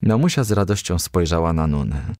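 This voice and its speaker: Lively male storyteller reading a children's tale. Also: deep voice, fairly quick, dry recording, studio quality. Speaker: narrator. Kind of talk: scripted storybook narration.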